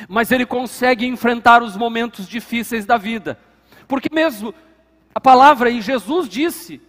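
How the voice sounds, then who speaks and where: A man's voice: very high-pitched, long reverb tail. A man preaching a sermon as pastor, with an emphatic, repetitive preaching cadence. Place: church hall.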